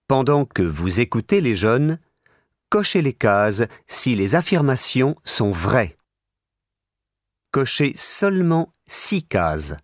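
A man reading listening-exam instructions in a formal, clear manner. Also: medium pitch, no echo, studio quality. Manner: formal, slow, clear announcing. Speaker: exam narrator.

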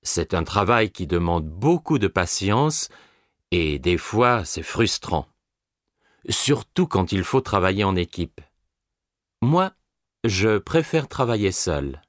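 A man voicing a young perfumer who prefers working alone, in an expressive scripted monologue. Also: low voice, slow pace, dry recording, clean studio sound, full character voice. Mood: animated. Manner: sing-song, expressive delivery. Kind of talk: scripted listening-exam monologue.

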